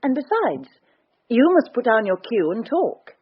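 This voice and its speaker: A proud young lady who speaks coolly and directly. Her breathy voice moves expressively, and the sound is dull like an old radio broadcast. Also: a little high, big pitch swings, a little slow, full character voice. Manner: cool, forthright. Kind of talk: radio drama acting.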